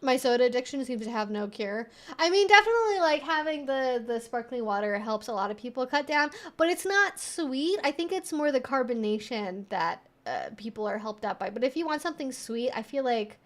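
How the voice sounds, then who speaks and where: Young woman, higher-pitched voice, livestream host, casual, chatty, rambling. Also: lively intonation, fairly quick, few pauses, fairly bright tone. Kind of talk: casual livestream chat, reading and answering viewer comments.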